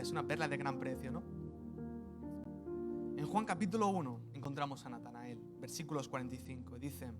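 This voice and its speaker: A man from Spain preaching a sermon, with playful asides and acted quotes. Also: a little high. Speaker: pastor.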